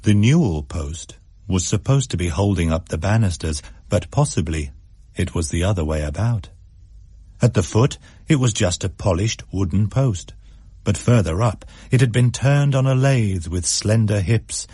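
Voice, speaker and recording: Guy reading a spooky story, low mellow husky voice, slow and wry. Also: dry recording, clean studio sound. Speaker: story reader. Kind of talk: storytelling narration.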